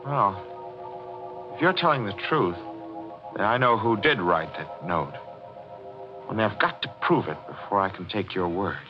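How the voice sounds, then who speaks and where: A man's voice: lowish voice, expressive, unhurried, pauses often. An actor playing an agitated, suspicious man with a murderous streak, pressing with questions in 1940s radio mystery style. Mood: suspicious, tense. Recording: muffled old-time radio recording with music.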